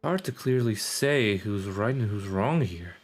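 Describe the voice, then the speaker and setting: A man's voice: on the low side, expressive, a little slow. A man chatting casually over gameplay as a streamer, musing aloud and circling back over phrases. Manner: musing, repeats phrases, hesitant. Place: live stream with game audio behind.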